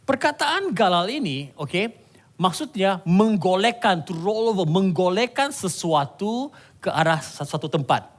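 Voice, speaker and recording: A man preaching a sermon, animated and conversational, with asides to the congregation. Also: high-pitched, a little slow. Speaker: pastor. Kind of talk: sermon mixing Malay and English.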